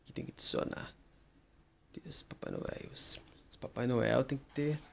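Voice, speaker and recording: Playing a horror game, a man whispers his casual commentary in a gravelly, mid-range voice at a measured pace. He's excitable, yelping at jump scares as he talks to his viewers and a friend.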